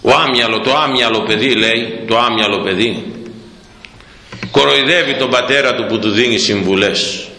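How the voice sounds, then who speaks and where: A man preaching a sermon on scripture, with an emphatic, repetitive cadence and a somewhat hoarse throat. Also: mid-range voice, sharp tone, a little hiss or hum. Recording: echoey hall, long reverb.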